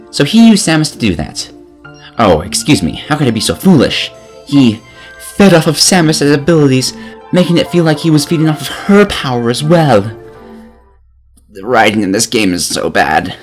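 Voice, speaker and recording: A man narrating a scripted comedic game review in an exasperated, sarcastic way. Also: mid-range voice.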